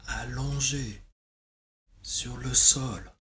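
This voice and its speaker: A man guides a relaxation meditation as a yoga nidra teacher, soothing and measured, with long pauses. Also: mid-range voice, fairly even intonation, bright, forceful tone, slight background noise.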